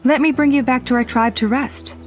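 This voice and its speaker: Woman playing a calm hospitable tribal elder. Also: high voice, fairly quick, faint music behind, close to an everyday voice. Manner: composed, hospitable. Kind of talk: game cutscene voice acting.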